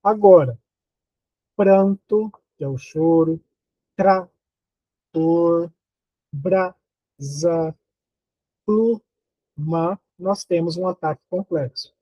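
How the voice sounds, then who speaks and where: A Brazilian Portuguese-speaking man teaching an online phonology lesson, slow and deliberate, counting syllables aloud and asking his students rhetorical questions. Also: on the high side, no room sound, highs cut off. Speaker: university teacher.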